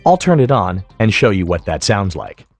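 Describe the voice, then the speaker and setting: A man giving an explanatory tutorial voice-over as an instructor, speaking in a measured, methodical way. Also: low voice, very animated, soft background music. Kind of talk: explanatory screen-recording narration.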